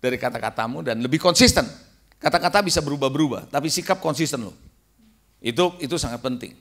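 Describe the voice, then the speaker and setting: A middle-aged male pastor giving a lively youth sermon, quizzing the crowd with questions and acting out quoted replies. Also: fast talker. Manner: acts out quoted replies in a higher voice.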